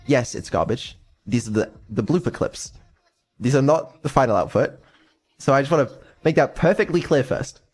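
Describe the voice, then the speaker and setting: A man's voice: medium pitch, expressive, moderate pace. A man giving a casual live stream update as a developer, rambling and hesitant with many ums and offhand swearing.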